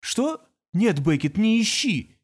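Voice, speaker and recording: A man's voice: high voice, very animated, slow pace, pitched above the performer's own voice, full character voice. A man playing a precise teenage genius. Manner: precise, lecturing, patient. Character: patient teenage boy genius, precise tutor.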